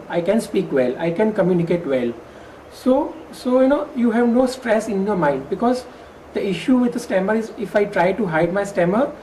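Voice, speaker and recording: A woman with an Indian English accent speaks in a mellow, darker tone at a middling pitch. She explains things in a measured, earnest way, with now and then a stammered restart. A faint hum of the room sits behind her. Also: poor audio. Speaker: workshop participant who stammers. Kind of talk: exit interview, explaining in earnest.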